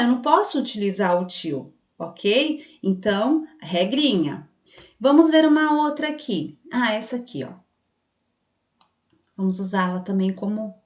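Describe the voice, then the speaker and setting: A woman teaching a children's spelling lesson online, patiently explaining step by step and voicing the pupils' questions herself. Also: mid-range voice. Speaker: primary school teacher. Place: room with a passing truck heard outside. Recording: echoey room.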